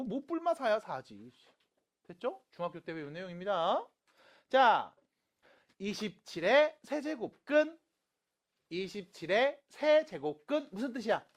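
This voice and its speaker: A middle-aged man teaching a math lesson, asking quick questions and answering them himself. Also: high-pitched. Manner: lively, asks and answers own questions. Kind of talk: lecture.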